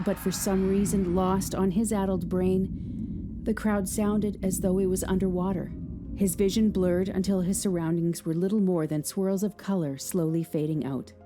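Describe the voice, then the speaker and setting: A woman narrating a dramatic story in a measured, scripted way. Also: mid-range voice, mellow, slight background noise.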